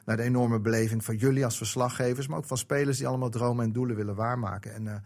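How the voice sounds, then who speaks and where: Fast-talking man telling football stories. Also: medium pitch, creaky. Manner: animated storytelling with frequent fillers. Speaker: book author guest. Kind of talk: casual football chat.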